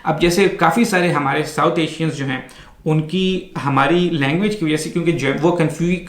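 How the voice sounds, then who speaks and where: Man with a somewhat high, echoey voice. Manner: explains patiently, spells words out letter by letter; mixes English words into his speech. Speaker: vlog host. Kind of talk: casual explainer talk.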